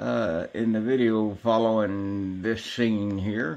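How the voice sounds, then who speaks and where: A man speaks at a very slow pace. His pitch sits fairly low. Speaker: travel vlogger. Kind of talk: casual vlog chat. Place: home room. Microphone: phone near.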